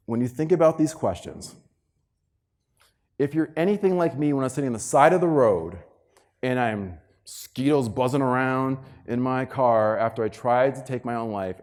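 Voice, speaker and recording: Male keynote speaker, motivational storyteller, highly animated pitch, emphatic delivery, slips into acted-out dialogue. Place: live talk before an audience.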